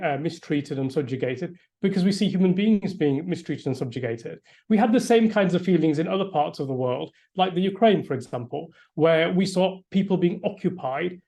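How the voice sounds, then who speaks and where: A man's voice: a little high, warm tone. A middle-aged man from Yorkshire, a lawyer, speaking earnestly and with emphasis at a community briefing, often repeating words as he restarts. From Yorkshire, England. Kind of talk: earnest public address.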